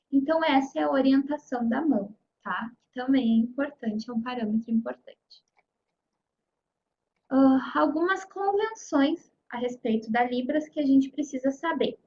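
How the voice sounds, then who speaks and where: A woman's voice: high voice, highs cut off, slight background noise. A woman teaching a sign language course in a recorded online lecture, explaining step by step and checking in with her students often. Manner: explanatory, frequent "né?" and "tá?" check-ins.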